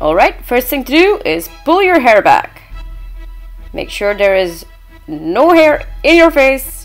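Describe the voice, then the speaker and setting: A woman talks at a very slow pace while faint music plays in the background. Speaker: makeup tutorial maker. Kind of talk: tutorial. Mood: playful, light humor. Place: home room. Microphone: webcam.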